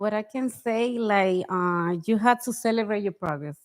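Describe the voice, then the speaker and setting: At a moderate pace, someone speaks in a strong Spanish accent on a very clean recording with a silent background. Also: woman. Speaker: content creator. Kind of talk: casual chat. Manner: halting.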